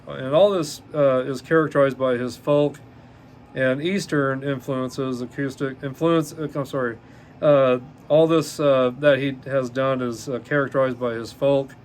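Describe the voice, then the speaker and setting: A man in his fifties hosting a solo podcast, reading from notes in a halting way with many ums and uhs and frequent self-corrections. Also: medium pitch, slight background noise. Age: 50s. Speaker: podcast host.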